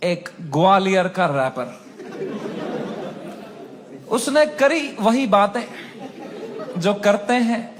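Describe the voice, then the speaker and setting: High-voiced stand-up comedian. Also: male voice, a little hiss or hum. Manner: animated, mocking, swings between hushed and shouted asides.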